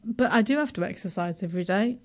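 A woman's voice: mid-range voice, expressive, fast talker, a little mellow. Middle-aged woman, Yorkshire accent, radio guest, self-deprecating, laughs often, stumbling restarts. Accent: Yorkshire English. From Yorkshire, England. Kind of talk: casual radio interview.

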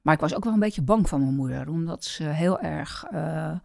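A middle-aged woman from the Netherlands telling her life story in an interview, speaking hesitantly with many pauses. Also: sits low, expressive, creaky, a little mellow, no echo. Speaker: interview guest.

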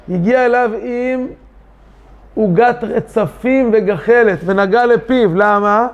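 A man, a rabbi, teaching a weekly yeshiva Torah lesson, lively with rhetorical questions and acted-out quotes. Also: sits high. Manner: animated, rhetorical questions, acts out quoted voices. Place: yeshiva study hall. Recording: dull lo-fi recording.

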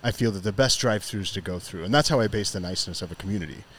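A man's voice: low voice, very fast, a bit bright. A man hosting a podcast on location, chatting casually in a rambling, jokey, informal way. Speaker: podcast host. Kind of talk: casual chat. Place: on location at an eatery.

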